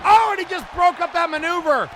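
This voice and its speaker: A man giving live play-by-play wrestling commentary with excited, exclamatory calls. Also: very high-pitched, a little fast. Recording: noisy event audio with loud crowd. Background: crowd and arena noise.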